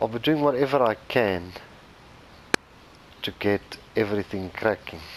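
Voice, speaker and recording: Mumbling at a fairly slow pace, a man speaks in a fairly low voice. His pitch varies in an ordinary way. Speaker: gaming youtuber. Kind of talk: let's play commentary.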